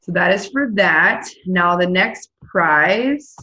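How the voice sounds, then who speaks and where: A woman's voice: fairly low pitch, expressive, slow pace, bright, forceful tone, muffled recording. A woman leading a team meeting on a video call, chatty and upbeat as she hypes up sales goals and runs prize drawings. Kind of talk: casual enthusiastic pep talk on a video call.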